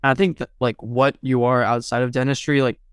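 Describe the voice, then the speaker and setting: A young man hosting a casual podcast interview, relaxed and full of "like" and "I guess". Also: medium pitch, fairly quick, smooth, no echo, studio quality. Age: young adult. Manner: relaxed, lots of "like" and "I guess" fillers. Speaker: podcast host.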